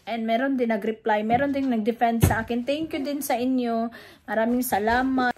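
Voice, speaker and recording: Filipina mom vlogging, high voice, keeps restarting, kinda emotional. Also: female voice, steady tone, background noise. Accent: Filipino, with Cebuano words. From Philippines. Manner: emotional, halting, many restarts and fillers, mixes English into Tagalog. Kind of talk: casual vlog monologue.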